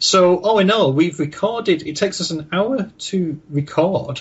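At a moderate pace, a man with a Manchester accent speaks with ordinary pitch variation. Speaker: entrepreneur and online tutorial creator. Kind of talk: casual chat. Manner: says um often.

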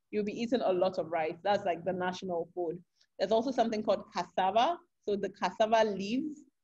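Talking at a very fast pace with an American accent, a woman has a dark, mellow tone and ordinary pitch variation over a quiet background. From Nigeria, Lagos; Nigeria. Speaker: market research entrepreneur; podcast guest. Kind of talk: interview. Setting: video call. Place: home room. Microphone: video call.

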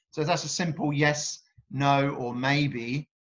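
In a quiet background, a man with an unremarkable speaking voice talks at a fairly high pitch with ordinary pitch variation. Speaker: meeting organizer and moderator. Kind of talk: virtual meeting moderation. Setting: video call.

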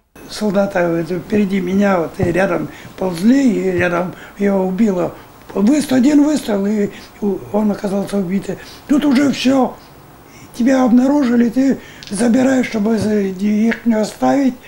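The speech moves at a fairly slow pace with long, frequent pauses and ordinary pitch variation over light background noise. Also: man, high pitch for a man. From Vologda region, Russia. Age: 80s+. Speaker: war veteran. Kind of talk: interview answer. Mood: earnest war recollection. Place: home room.

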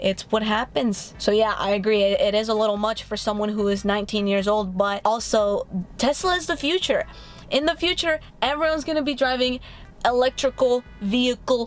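Faint music plays in the background as a woman talks at a moderate pace, in a dry sound with no echo. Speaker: vlogger. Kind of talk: casual vlog chat. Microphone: phone near.

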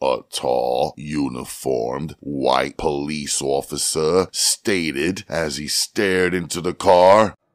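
A man's very deep, low voice with vocal fry and ordinary pitch variation, at a very slow pace with hardly any pauses. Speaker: voice actor. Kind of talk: novel narration.

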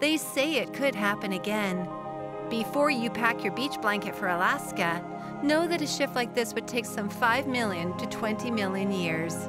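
Music plays behind a woman speaking at a moderate pace. She barely pauses at all. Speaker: voice actor. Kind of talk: documentary narration.

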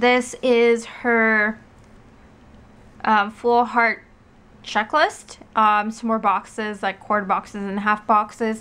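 A woman with a bright, sharp tone speaks at a fairly slow pace. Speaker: planner hobby vlogger. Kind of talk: casual vlog chat. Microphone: camera far.

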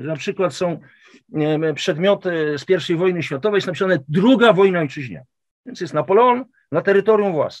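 Ordinary pitch variation marks this man's high voice. He speaks at a fairly quick pace. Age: 50s. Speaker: political commentator. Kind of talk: political discussion. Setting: studio.

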